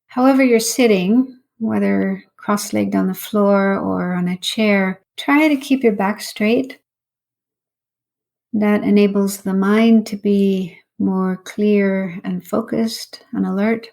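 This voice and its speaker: A woman, a meditation teacher, leading a guided meditation in an unhurried, instructional way with long pauses. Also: mid-range voice, fairly even intonation, vocal fry, a little mellow.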